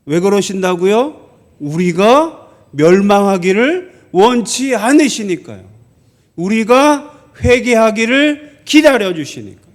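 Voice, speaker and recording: A male pastor preaching a sermon in a church, telling a story from his army days and asking the congregation questions. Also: sits high. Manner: storytelling, slows and stresses key phrases, asks the congregation questions.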